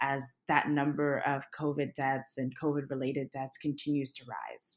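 Speaking at a fairly slow pace, a woman uses a very deep, low pitch in a very clean recording with a silent background. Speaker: podcast co-host. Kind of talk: casual interview chat.

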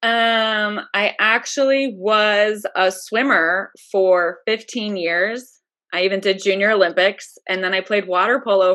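A woman with a plain, everyday voice speaks in an American accent at a medium pitch with fairly even intonation. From Chicago, US Midwest. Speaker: flight attendant and amateur boxer. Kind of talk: casual interview chat.

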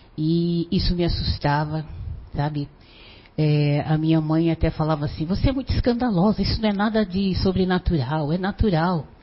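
A somewhat breathy woman's voice, fairly low in pitch, with ordinary pitch variation, very even loudness and a moderate pace. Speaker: audience member. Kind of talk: personal testimony.

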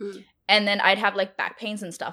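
A woman at medium pitch with an Australian accent, at a fairly quick pace, on a very clean recording with a silent background. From India, raised in Brisbane, Australia. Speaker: civil engineer and youth mental health advisor. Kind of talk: casual interview chat.

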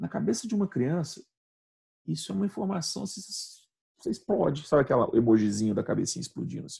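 The man has a dark, mellow tone with very wide pitch swings. He talks at a moderate pace. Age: 40s. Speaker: podcast host and course teacher. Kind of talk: lecture. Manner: halting.

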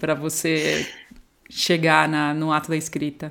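An ordinary speaking voice from a woman, fairly low in pitch and fairly slow, on a very clean recording with a silent background. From Campinas, São Paulo, Brazil. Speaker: podcast host. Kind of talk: casual interview chat.

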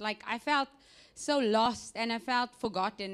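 A woman's fairly high voice in a South African accent, ordinary pitch variation, very clean recording with a silent background. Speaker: church member. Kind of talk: testimony. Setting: church.

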